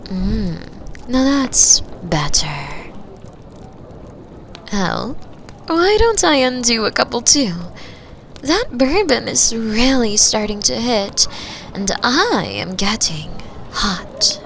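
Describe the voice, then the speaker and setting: A woman playing a flirtatious, confident mature bar patron in an intimate roleplay, teasing and breathy, often dropping toward a whisper. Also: a little high, sing-song, fairly bright tone, slight background noise, heavily acted. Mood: sultry, flirty. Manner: slow, sultry, breathy, drops into near-whispers. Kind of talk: binaural roleplay audio drama, intimate second-person acting.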